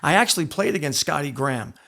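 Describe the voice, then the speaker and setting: Gravelly-voiced man telling stories emphatically. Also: a little high, lively intonation, fast talker, pushed and bright. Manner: emphatic, repeats phrases for weight. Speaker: interview guest, former wrestler and coach. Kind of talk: candid storytelling in a podcast interview.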